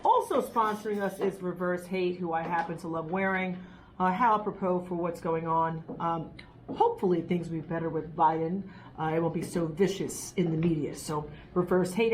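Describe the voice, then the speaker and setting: A woman hosting a casual online talk show, chatting through sponsor shout-outs and interview questions. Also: fairly low pitch, fairly quick, slight background noise, rough recording. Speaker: show host.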